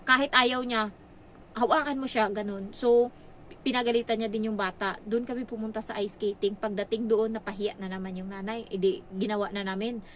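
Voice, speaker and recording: A woman's voice: mid-range voice, flat delivery, brisk, darkish tone, slight background noise. A woman from the Philippines who works as a nanny, candidly telling stories in a casual vlog and slipping English phrases into her talk. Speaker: nanny in Hong Kong.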